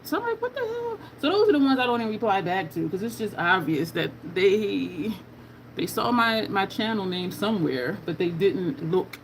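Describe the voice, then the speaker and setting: A woman's voice: medium pitch, lively intonation, normal speed, slight background noise, poor audio. A woman in her fifties chatting candidly while doing her makeup, answering viewer questions in a frank, conversational way. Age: 50s. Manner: candid, chatty, reading viewer comments aloud. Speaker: makeup vlogger.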